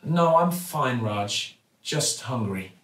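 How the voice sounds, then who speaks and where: A man's voice: mid-range voice, lively intonation, slow, fairly bright tone. A man voicing a sad, sincere little schoolgirl in a storybook, polite and downcast. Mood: upset. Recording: roomy, slightly distant mic.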